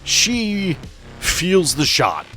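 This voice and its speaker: A man's voice: high voice, wildly swooping pitch, extremely slow, bright, forceful tone. A man acting as game master, casually improvising narration and rulings for a tabletop role-playing game. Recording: music playing behind the voice.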